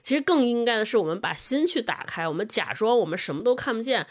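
A woman's voice: a little high, animated, fast. Thoughtful woman on a book podcast. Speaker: podcast co-host. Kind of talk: casual book discussion.

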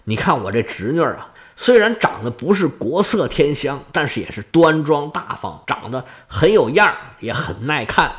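A man's voice: on the high side, sing-song, moderate pace, few pauses, fairly bright tone. A man voicing a fretful old king. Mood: pleased. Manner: sighing, exasperated complaining. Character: worried old male king, fretful and eager.

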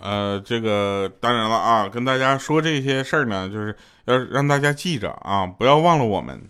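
A man's voice: mid-range voice, lively intonation, normal speed, a bit bright, clear, resonant tone, faint music behind. A man telling funny stories in a loose, chatty way, often laughing at his own punchlines. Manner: loose, conversational, many fillers. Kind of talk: chatty comic storytelling.

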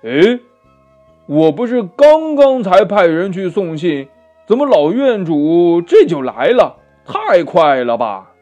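A man's voice: sits high, very animated, darkish tone, soft background music, voice pushed up, heavily acted. A man voicing a boastful black demon king who drawls and mocks in a storybook reading. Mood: sly. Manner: slow, mocking laughter.

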